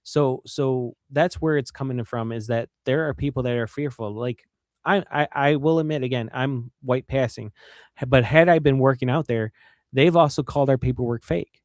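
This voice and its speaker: A man's voice: medium pitch, moderate pace, a little mellow, no room sound, clean studio sound. Earnest man with a Michigan accent. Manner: earnest, repeats words when stressing a point. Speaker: guest. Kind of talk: earnest conversational interview.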